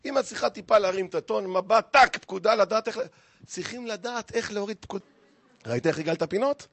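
A man, a rabbi, giving a lively, joking sermon and firing rhetorical questions at his listeners. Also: sits high, no room sound. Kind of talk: humorous sermon to a live congregation.

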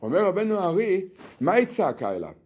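A man teaching a Torah lesson, telling the story in an animated way with many restarts. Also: high voice, husky, dull audio. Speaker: religious teacher.

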